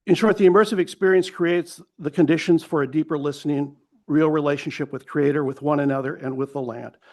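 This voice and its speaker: A man's voice: fairly high pitch, steady tone, a little fast, a little mellow. A man in his fifties from Hawaii, a pastor giving an earnest public comment at a county hearing, often restarting phrases and telling a short story along the way. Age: 50s.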